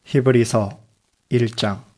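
A man reading Bible passages aloud in a measured, steady manner. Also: mid-range voice. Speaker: Bible reader. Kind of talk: scripture reading.

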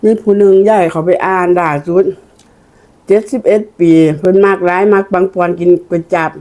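Mellow older Isan woman, mukbang eating chat. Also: on the low side, steady tone, a little fast. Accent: Isan, northeastern Thai. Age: older, a grandmother. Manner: folksy, repeatedly addressing viewers as kin. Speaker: mukbang host. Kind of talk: mukbang eating, casual chat to viewers while eating.

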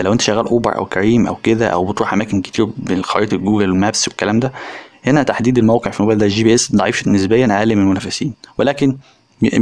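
A man with an Egyptian accent giving a casual, chatty phone review voice-over, speaking directly to viewers. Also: fairly low pitch. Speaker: tech reviewer.

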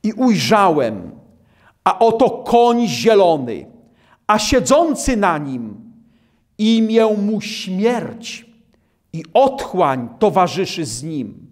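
A man preaching a sermon on scripture in a slow, emphatic way, with dramatic drops in his voice. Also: sits high, big pitch swings, a little mellow.

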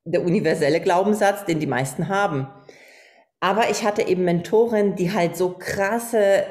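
A woman's voice: lowish voice, moderate pace, a little mellow. A middle-aged woman from Poland, a podcast guest on a video call, talking earnestly and reflectively about her path. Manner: earnest, reflective, acts out quoted voices. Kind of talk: candid interview talk. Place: home room, indoors.

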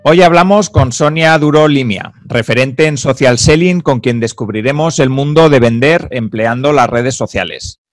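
A man in his thirties who hosts a podcast and interviews a guest. He reads a brief introduction, then talks in a friendly, clear way over a video call. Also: medium pitch, normal speed, hardly any pauses, no room sound, faint music behind. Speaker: podcast host. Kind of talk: interview host, scripted intro then conversation. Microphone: video call webcam.

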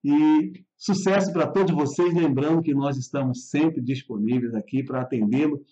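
A man teaching English in a live online lesson, speaking to viewers in a friendly way and slowing down to say model phrases clearly. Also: a little high, dark tone, lo-fi sound. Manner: friendly, addresses viewers directly.

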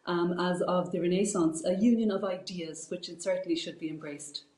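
A woman's voice: mid-range voice, mellow. Irish woman speaking formally, echoey video call. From Ireland. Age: middle-aged. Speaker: regional representative and teacher. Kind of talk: prepared political speech. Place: indoor office, on a video call. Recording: echoey room over video-call link.

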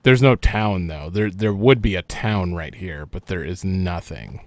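A man's voice: low voice, measured pace, a little mellow, dry recording. A young man casually commenting as he plays a horror game, rambling and thinking aloud. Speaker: gaming channel host. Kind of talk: casual let's-play commentary.

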